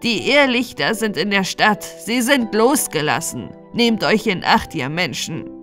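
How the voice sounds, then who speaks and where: A woman voicing a talkative old bog witch in a fairy-tale audiobook, deliberate and foreboding. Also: mid-range voice, very animated, fairly bright tone. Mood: ominous, urgent. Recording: music bed under narration.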